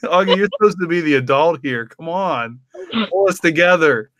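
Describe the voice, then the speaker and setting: A man's voice: a little high, animated, moderate pace, fairly bright tone, dry recording. A man in casual podcast chat, joking and teasing in his way of talking.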